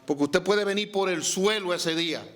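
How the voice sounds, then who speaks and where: A pastor preaching a sermon, reading scripture and asking the congregation rhetorical questions. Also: male voice, sits high, normal speed, a bit bright.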